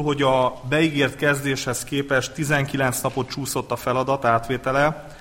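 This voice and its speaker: A man's voice: medium pitch, fairly bright tone. Male councillor, formal critical address, hall reverb on the voice. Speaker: council member.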